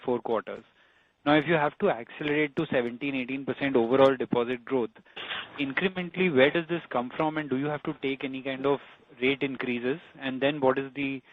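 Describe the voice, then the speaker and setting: Male analyst, narrow phone sound. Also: medium pitch. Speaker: analyst asking questions. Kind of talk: conference call questioning. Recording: narrow tinny phone line.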